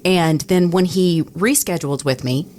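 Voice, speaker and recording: A woman's voice: lowish voice, moderate pace, darkish tone, slight background noise. A middle-aged American woman co-hosting a show, sharing stories in casual conversation. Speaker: podcast co-host, radio personality. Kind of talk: casual chat.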